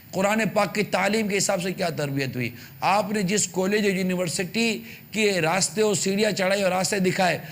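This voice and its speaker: On a TV channel, a high-voiced male religious preacher gives a sermon aimed at parents. He speaks emphatically, leaning on rhetorical questions and repetition.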